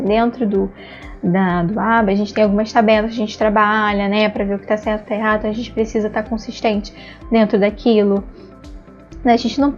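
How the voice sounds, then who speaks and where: Speaking in a mid-range, darkish voice over dull audio, a Brazilian woman gives an online therapy lesson as an ABA instructor. Her Brazilian Portuguese delivery is patient and explanatory, sprinkled with "né?" tags and acted-out praise and "no" examples.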